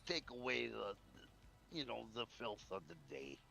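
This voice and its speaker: A man's voice: medium pitch, very animated, a little slow, gravelly, sharp tone. A man talking casually in a folksy, informal way during game roleplay.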